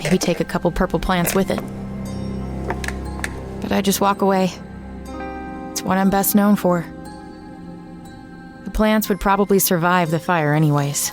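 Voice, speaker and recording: A woman's voice: lowish voice, fairly even intonation, unhurried, long pauses, lightly acted. A woman playing a weary, regretful former small-town journalist, narrating a first-person horror audio drama in a somber, reflective way. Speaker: narrator and protagonist. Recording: music bed under voice.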